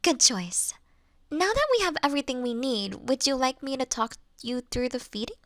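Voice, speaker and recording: A woman performs a polite vampire girl, forever young in looks, for an audio roleplay. Her voice sits fairly high and is recorded very dry, with no room sound. She talks in a gentle, conversational, mildly wry way, as if putting a nervous guest at ease. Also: very animated, normal speed, no echo. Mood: reassuring, businesslike. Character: childlike-looking ancient female vampire, polite, reassuring, mildly wry. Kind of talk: scripted audio roleplay addressed to the listener.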